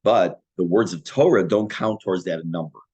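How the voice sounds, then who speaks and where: An older man teaching a Torah class in a conversational, self-deprecating way, his voice going hoarse and interrupted by throat clearing. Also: deep voice, normal speed, dark tone. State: losing his voice. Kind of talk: Torah class, explaining text.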